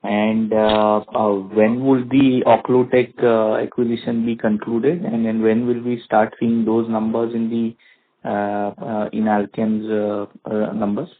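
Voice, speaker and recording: A man with an Indian accent asking questions as an analyst on an earnings call, in hesitant, halting phrases. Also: lowish voice, little pitch movement, a little hiss or hum. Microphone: phone call. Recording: narrow tinny phone-line audio.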